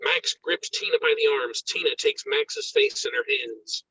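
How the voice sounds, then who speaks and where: A man with a breathy voice reading screenplay stage directions as an intense, suspenseful narrator. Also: very high-pitched, wildly swooping pitch, unhurried, pushed and bright, low-quality recording. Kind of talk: dramatic scripted narration of screenplay action.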